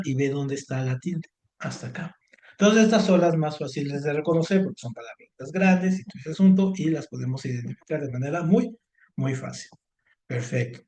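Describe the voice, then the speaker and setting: A man's voice: a little high, mellow. Patient male tutor, echoey room. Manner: patient, explains step by step, repeats words, frequent "ajá" and "ujú". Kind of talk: online Spanish grammar lesson. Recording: roomy echo.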